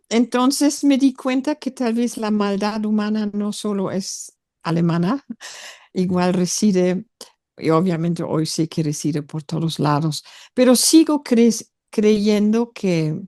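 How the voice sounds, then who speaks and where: A woman's voice: mid-range voice, dark tone, no echo, studio quality. An older woman from Germany, whose first language is German, speaking in a thoughtful, hesitant interview conversation as an author. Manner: thoughtful, hesitant, many fillers.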